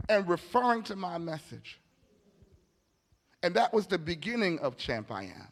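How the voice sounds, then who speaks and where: A man preaching a motivational sermon, emphatic and informal, telling stories and repeating key phrases with dramatic pauses. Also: sits high, a bit bright. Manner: informal, anecdotal storytelling. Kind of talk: motivational sermon to a live audience. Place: large indoor hall, speaking from a stage. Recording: echoey hall with long reverb.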